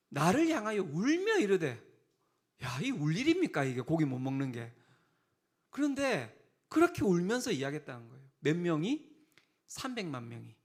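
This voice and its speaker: A man preaching a sermon as pastor, telling the story with humor and acting out quotes in exasperated voices. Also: high-pitched.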